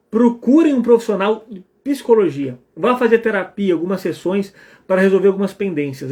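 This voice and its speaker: A man's voice: sits high, darkish tone. A man with a Brazilian Portuguese accent, a psychologist giving a live talk to parents, speaking emphatically and often checking in with his listeners. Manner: emphatic, repeats checks like "tá?" and blunt "ponto". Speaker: psychologist and couples therapist.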